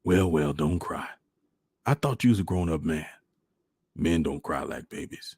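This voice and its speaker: Storybook father acted by a man: rural Southern, deep, raspy, folksy, gentle and wistful. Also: animated, unhurried, dry recording, clean studio sound, full character voice. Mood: consoling. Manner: folksy, consoling, plainspoken. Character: gentle, wistful country father of a small boy.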